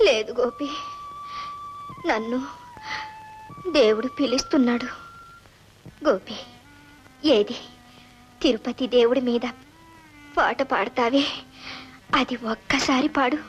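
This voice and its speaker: A woman's voice: on the high side, fairly even intonation, takes it slowly, long pauses, low-quality recording. A woman playing a dying orphan boy who speaks faintly and tenderly. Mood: weak tender.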